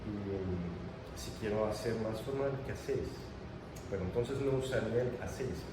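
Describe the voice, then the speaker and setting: A man from Mexico, an interview guest, chatting casually in a relaxed, meandering way, slipping in English words now and then. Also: fairly low pitch, unhurried. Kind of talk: casual conversation. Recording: roomy, distant mic with clear background noise.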